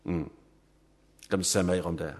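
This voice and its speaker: A man preaching a sermon, emphatic, rising to loud swells and dropping to soft, low endings. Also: fairly even intonation.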